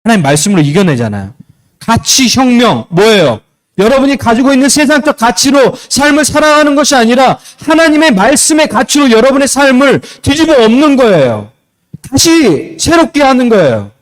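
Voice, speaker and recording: Young male youth pastor, high and lively, preaching to teens with questions and acted scenes. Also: moderate pace. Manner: asks the students questions and acts out short scenes. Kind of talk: youth sermon.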